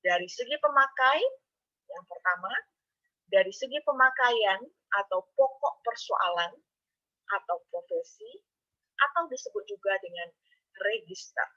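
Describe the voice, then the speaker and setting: A woman's voice: mid-range voice, expressive, unhurried, pauses often, bright, forceful tone, dull audio. A woman lecturer giving an online class, explaining step by step and speaking directly to her students. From Indonesia. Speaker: university lecturer.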